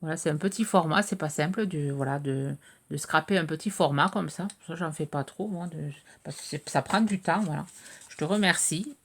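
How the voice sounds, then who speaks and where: A middle-aged woman with a low, gravelly voice talks casually through craft pieces she received. She hesitates often, filling gaps, and her voice cracks a little now and then. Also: normal speed. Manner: hesitant, many "euh" fillers, chatty. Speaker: craft video host. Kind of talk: casual show-and-tell of mail.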